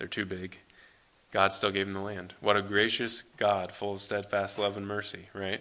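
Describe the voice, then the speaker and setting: A man with a fairly low pitch and a bright, sharp tone speaks at a moderate pace in a monotone, flat delivery. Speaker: pastor. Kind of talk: sermon. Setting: church.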